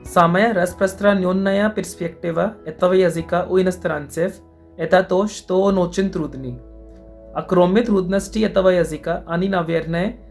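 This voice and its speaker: A man's voice: sits high, steady tone, normal speed, soft background music. A man from India with an Indian accent, a guest answering interview questions carefully in a language he has learned. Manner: careful, thoughtful, a little formal. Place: online call.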